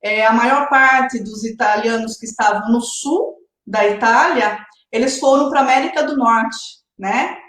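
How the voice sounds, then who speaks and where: A woman's voice: fairly high pitch, a little slow, hardly any pauses, fairly bright tone, reverberant, rough recording. A woman hosting a live online interview series, chatty and often adding tag questions. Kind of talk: casual live-stream hosting.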